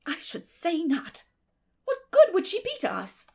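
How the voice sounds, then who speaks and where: A woman's voice: very high-pitched, wildly swooping pitch, darkish tone, voice pushed up, exaggerated voice. Woman voicing a stern, indignant older spinster. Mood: astonished, indignant. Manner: brisk, scolding, emphatic.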